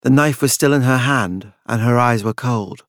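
A man reading a literary story as an audiobook narrator, measured and dramatic in his delivery. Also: mid-range voice, a bit bright, no echo, studio quality.

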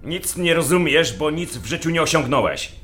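A man's voice: a little high, lively intonation, moderate pace, fairly bright tone, soft background music. An actor playing a cold relative who talks down to a drunk man in a radio play. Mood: condescending. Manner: cold, condescending. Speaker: radio drama character.

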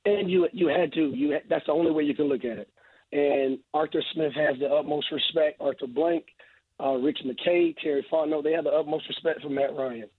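A man speaks as a radio guest over a tinny, dry phone line. His voice is hoarse and husky because he is losing it, yet he stays earnest and emphatic and repeats phrases for weight. He sits a touch higher than most men. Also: fairly even intonation, a little fast, no room sound. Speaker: guest football analyst. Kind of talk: radio interview, sports analysis.

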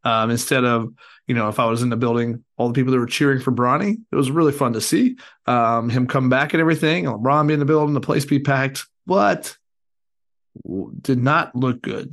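A man co-hosting a casual sports podcast, hoarse as his voice comes back, talking in a rambling way with many fillers. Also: mid-range voice. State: hoarse, recovering lost voice. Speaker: podcast co-host.

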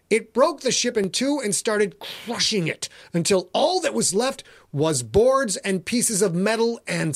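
A man's voice: high-pitched, no room sound. A man hosting and narrating his own podcast in a playful, theatrical way. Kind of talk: dramatic story reading and casual podcast talk.

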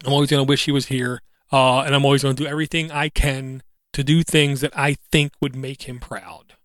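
A man's voice: mid-range voice, little pitch movement, a bit bright, dry recording, clean studio sound. A man in his thirties hosting a solo podcast, earnest and reflective, with a slight speech impediment that brings out an occasional stutter. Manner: earnest, reflective, halting with fillers. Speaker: podcast host.

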